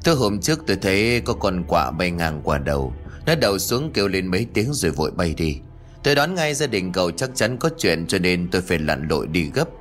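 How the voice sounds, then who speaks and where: A man voicing a calm old male village soothsayer who speaks in a measured, knowing way. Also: deep voice, faint music behind.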